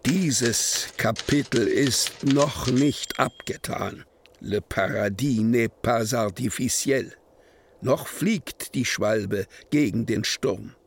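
A man playing a brooding poetic narrator in a literary radio drama, declaiming in deliberate short phrases. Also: medium pitch, slight background noise. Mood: measured, solemn. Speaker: actor reciting poetry.

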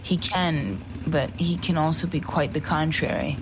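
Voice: medium pitch, measured pace, natural voice. A performer in a radio play voicing a matter-of-fact account of a difficult lover. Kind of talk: radio play monologue in English. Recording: noisy background ambience.

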